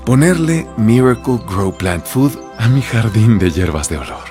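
A man's voice: lowish voice, big pitch swings, measured pace, darkish tone. A man playing a harried kitchen chef. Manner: rattling off tasks, exclaiming. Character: harried restaurant chef, busy. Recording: with music behind.

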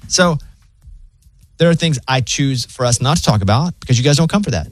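Laid-back Southern radio host, dry mic. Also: male voice, medium pitch, expressive, a little fast, dry recording, faint music behind. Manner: laid-back, joking, plainspoken. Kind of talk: casual radio banter.

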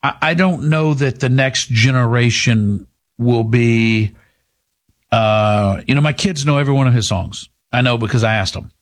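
A man in his fifties hosting a talk show, speaking in a measured, reflective way with frequent restarts. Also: medium pitch. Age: 50s. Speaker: host.

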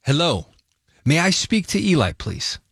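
A man hosting a radio morning show call-in segment, chatty and animated, steering the call with leading questions. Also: fairly high pitch, measured pace, husky, no room sound, clean studio sound. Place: radio studio. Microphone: studio mic.

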